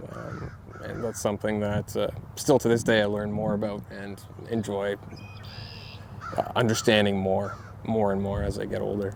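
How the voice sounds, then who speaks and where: With a Canadian accent, a man talks at a moderate pace and a fairly low pitch, in a monotone, flat intonation. He takes long, frequent pauses, and there is noticeable background noise. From Canada, Hamilton area, Ontario. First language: Lithuanian. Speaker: Lithuanian community member. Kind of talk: interview. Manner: halting.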